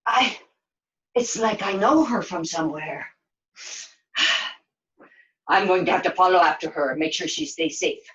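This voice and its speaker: Woman as a grudging gruff creature, broken grammar. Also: lowish voice, a little slow, long pauses, a bit bright, reverberant, dull audio. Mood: puzzled, protective. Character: gruff creature wary of humans, secretly soft-hearted. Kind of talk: puppet show character acting.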